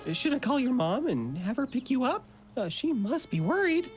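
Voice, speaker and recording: A kindly male school chaplain, hopelessly flustered. His high-pitched, lively voice stammers and fusses as he soothes, in a children's radio drama with music underneath. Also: moderate pace. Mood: concerned. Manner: hesitant, stammering, fussing, soothing.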